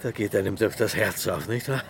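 An actor playing a talkative small-town mayor who rambles and chuckles while showing a visitor the view. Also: male voice, lowish voice, brisk, a little hiss or hum, lightly acted. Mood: proud. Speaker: local official guiding a visitor.

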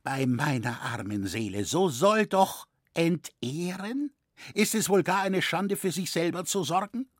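A man's voice: medium pitch, sing-song, unhurried, breathy edge, no echo, clean studio sound. A man voicing an anxious old male woodcarver who pleads with agitation. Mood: indignant. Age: older.

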